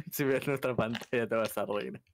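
A man's voice: medium pitch, big pitch swings, slow, slight background noise. A man with an accent from Spain, chatting casually as a gamer among friends. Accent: Spanish, from Spain. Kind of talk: casual gaming chat.

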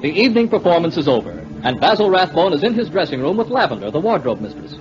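A male announcer in 1940s radio style. His high voice moves quickly over clear music. The recording is old and muffled. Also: sing-song.

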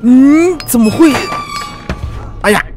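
A man giving lively, teasing commentary as he plays a video game, full of exclamations. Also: very high voice, takes it slowly, over music. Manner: excitable, teasing, frequent exclamations and laughs. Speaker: gaming YouTuber. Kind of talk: let's play commentary.

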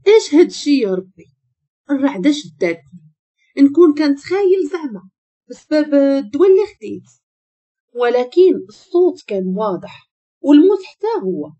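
A woman with a Moroccan accent narrating a first-person story in an expressive, indignant way. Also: high-pitched, a little fast.

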